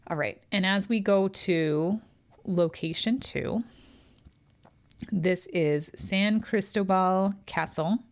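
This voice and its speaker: A woman's voice: medium pitch, takes it slowly. A woman hosting her podcast as a medium, talking through a remote viewing reveal in an earnest, eager way, with many ums and restarts. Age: adult with children.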